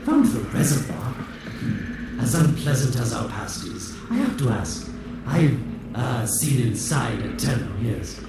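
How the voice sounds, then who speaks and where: An actor playing a smug, scheming video game villain with a sardonic, theatrical manner. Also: male voice, mid-range voice, big pitch swings, measured pace. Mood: sardonic, probing. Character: smug, scheming male villain, slyly taunting and mocking. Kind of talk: video game character acting. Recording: distant, very echoey, over loud game noise.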